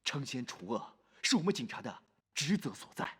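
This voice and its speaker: Police bureau chief: pompous, fussy, husky voice, period TV drama, reverberant hall. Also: male voice, mid-range voice, very animated, normal speed, fairly bright tone, heavily acted. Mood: obsequious. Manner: pompous scolding, fussy repetition. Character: blustering, fawning male police bureau chief. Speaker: actor playing a police chief. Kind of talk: Chinese period TV drama acting.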